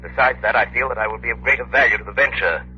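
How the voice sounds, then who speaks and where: The Shadow, an invisible crime-fighter who speaks with quick, sharp and assured authority. His voice is bright and forceful, carried on a dull old radio broadcast. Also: mid-range voice, a little hiss or hum. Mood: mysterious. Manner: measured, assured, mysterious. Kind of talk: 1930s radio drama acting.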